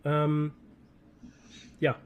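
Man, high voice, sick with a cold, casual host chat, faint background noise. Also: monotone, extremely slow. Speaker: podcast host. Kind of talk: casual chat on a talk podcast.

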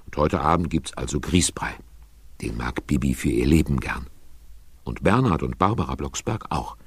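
A man's voice: a bass voice, expressive, normal speed, husky, no echo. An older man telling a children's radio play as its narrator, in a cosy storytelling style.

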